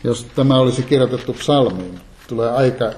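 A man giving a calm, measured Bible teaching sermon, reading and explaining scripture. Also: medium pitch, slight background noise. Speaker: preacher.

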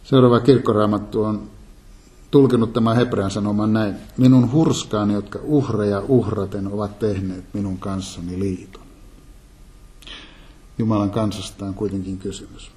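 A man giving a calm, measured Bible teaching sermon, reading and explaining scripture. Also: lowish voice. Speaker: preacher.

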